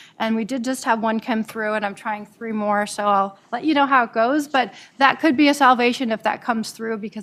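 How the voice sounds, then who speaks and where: A woman with a Midwestern American accent speaks very fast. Her pitch is fairly high, with ordinary variation. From US Midwest, Nebraska. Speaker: immigration lawyer. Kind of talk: webinar presentation. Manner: animated.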